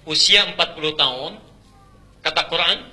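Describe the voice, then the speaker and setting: Middle-aged guy preaching, really bright voice, goes big and loud then drops soft. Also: a little high, moderate pace. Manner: dramatic swings from loud recitation to soft storytelling. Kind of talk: sermon.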